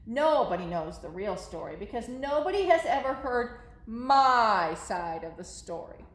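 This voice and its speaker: Lady playing a storybook wolf pleading innocent, real chatty, high voice, bit echoey room. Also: big pitch swings, measured pace. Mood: aggrieved, confiding. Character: self-justifying folksy wolf telling his side.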